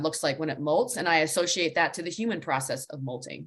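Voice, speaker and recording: Against a quiet background, a woman with an American accent talks at a fairly quick pace, her very deep, low pitch paired with a bright, sharp tone. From US, Maryland. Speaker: former pro soccer player and keynote speaker. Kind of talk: interview.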